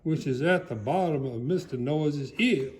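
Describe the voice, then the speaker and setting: A man voicing a folksy, excitable country alligator, giving a theatrical comic storybook reading. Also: on the high side, normal speed, slight background noise, close to an everyday voice. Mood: hammy, excited. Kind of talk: dramatic storybook reading, played for comedy.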